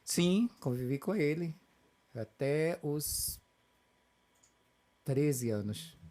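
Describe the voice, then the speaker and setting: A man from Pernambuco speaking calmly as a guest in a relaxed interview. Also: on the high side, extremely slow. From Petrolina, Pernambuco, Brazil. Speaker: guest, theater artist. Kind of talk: casual interview.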